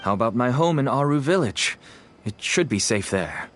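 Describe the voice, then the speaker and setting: An actor playing a shifty, ingratiating black-market dealer in a video game, smooth-talking and evasive with a nervous edge. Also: male voice, mid-range voice, animated, moderate pace, a bit bright, slight background noise, lightly acted. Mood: placating.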